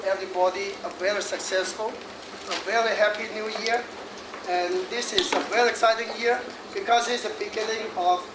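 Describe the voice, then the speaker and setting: 60s guy giving a fun feng shui talk, highish voice, roomy hall, noisy far-off recording. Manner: jokey, laughs often, chatty asides. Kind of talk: lively lecture to an audience. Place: hall in front of an audience. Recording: echoey hall audio from afar with noise.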